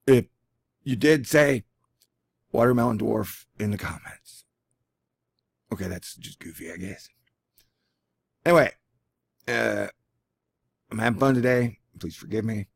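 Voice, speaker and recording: With a gravelly, husky voice in the middle range, a man from Texas with a Texan accent hosts his channel's casual one-take vlog. He reads out a science article while making self-deprecating jokes, captured on a dry, close, lo-fi home recording.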